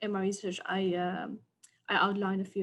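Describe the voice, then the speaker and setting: At medium pitch, a woman speaks with monotone, flat intonation. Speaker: researcher presenting at academic panel. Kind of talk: conference presentation. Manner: fast.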